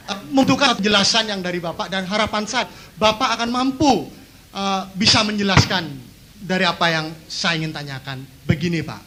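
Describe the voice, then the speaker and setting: A man's voice: a little high, pushed and bright, slight background noise. A man from Madura asking a polite, hesitant question from the audience at a seminar, with many fillers. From Madura, Indonesia.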